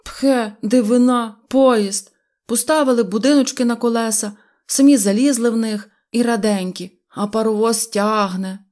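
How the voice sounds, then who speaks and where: A woman's voice: a little high, expressive, brisk, few pauses, a little mellow. Lady doing a snooty little storybook boy, scoffing, unimpressed. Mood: sneering. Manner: scornful, dismissive. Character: sneering, contrary little boy.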